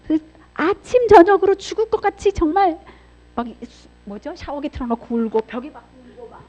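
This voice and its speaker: Woman, middle-aged, church seminar sermon, expressive, loud to hushed, high lively pitch. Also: a little fast. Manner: expressive storytelling, acts out voices, swings between loud and hushed. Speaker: pastor's wife giving a seminar talk. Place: church hall. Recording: dull lo-fi sound.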